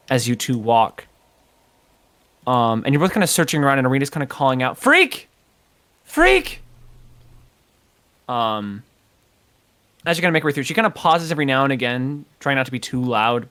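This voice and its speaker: A man's voice: mid-range voice, a bit bright. Hesitant male game master. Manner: hesitant, full of ums and kinda. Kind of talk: narrating a tabletop game.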